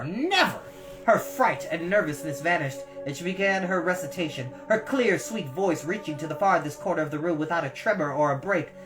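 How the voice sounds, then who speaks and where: A woman reading a story aloud with expressive, emphatic, dramatic delivery, as a storytime host. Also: sits low. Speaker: storytime reader. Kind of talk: expressive story narration with encouraging asides. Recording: slightly distant mic, music behind.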